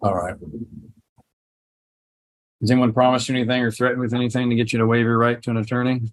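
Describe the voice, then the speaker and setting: A male judge with a mid-pitched voice presides over a hearing in a courtroom recording. He moves through procedure with short prompts and plain questions. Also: little pitch movement, fast, poor audio.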